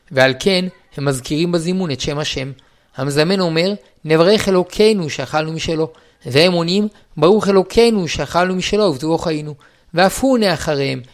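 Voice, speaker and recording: A man with a fairly high voice reads a religious law text aloud in an even, measured recitation. He moves through each ruling steadily, pausing briefly to restart a stumbled word before carrying on. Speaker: reader of a Jewish law text. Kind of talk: formal read-aloud of a religious law book.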